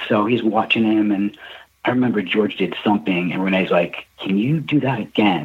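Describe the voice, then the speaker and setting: A man with an American accent and a normal speaking voice speaks at a moderate pace, fairly low in pitch, with ordinary pitch variation. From grew up in Frankfurt, Germany (US military family). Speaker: rock fan telling music stories. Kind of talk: casual storytelling.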